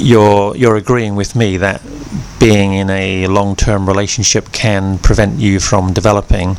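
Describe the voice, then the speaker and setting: A man speaks at a moderate pace with flat, monotone intonation. His voice is fairly low, with noticeable background noise. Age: 60s. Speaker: English teacher. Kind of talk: casual chat.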